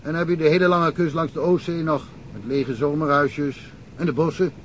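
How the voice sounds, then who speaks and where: An actor playing a talkative middle-aged provincial police detective in a radio drama, telling wry stories and chuckling often. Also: male voice, on the high side, fairly even intonation, fairly quick, highs cut off, a little hiss or hum, lightly acted. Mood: amused, chatty.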